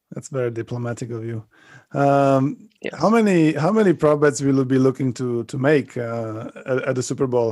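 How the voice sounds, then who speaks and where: Speaking at a moderate pace with a Slovak accent, a man keeps a medium pitch and ordinary pitch variation. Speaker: sports podcast host. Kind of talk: casual chat. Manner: halting.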